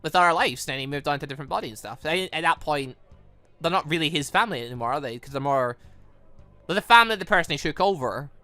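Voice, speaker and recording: A gaming host with an excitable, rambling, stammering delivery, reading and reacting to a story game. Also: medium pitch, fast talker, dry recording, faint music behind. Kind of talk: playthrough commentary, reading dialogue aloud.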